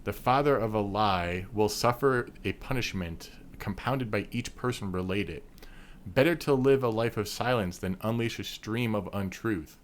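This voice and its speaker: A man's voice: on the low side, moderate pace. A man co-hosting a podcast, teasing in casual chat and reading long lore passages aloud. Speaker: podcast co-host.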